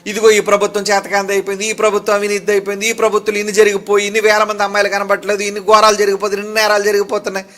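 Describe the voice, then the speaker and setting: High-voiced man preaching a fiery sermon. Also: monotone, racing, hardly any pauses, pushed and bright. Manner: fiery, fires rhetorical questions at the congregation. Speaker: pastor.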